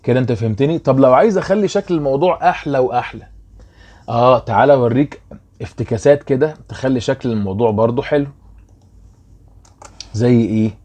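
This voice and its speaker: A man's voice: mid-range voice, a little fast, long pauses, a little mellow. A young man with an Egyptian Arabic accent, explaining a worksheet as a German teacher in a chatty way and often checking that students follow.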